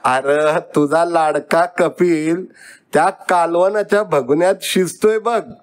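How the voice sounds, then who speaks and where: A man's voice: fairly high pitch, takes it slowly, voice pushed up. A man voicing a poor older village father who speaks in a rustic, coaxing way.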